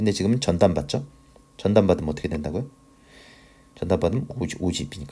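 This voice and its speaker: This man's voice has a dark, mellow tone edged with vocal fry. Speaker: structural engineering instructor. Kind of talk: lecture. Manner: conversational, frequent rhetorical questions.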